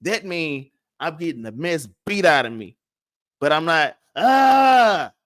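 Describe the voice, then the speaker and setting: A man's voice: a little high, very animated, slow, a bit bright, no room sound, studio quality. A man with a Southern US accent teaching a casual Bible class, stuttering and restarting often and tagging "man" and "all right?" onto his lines. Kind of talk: casual scripture lesson.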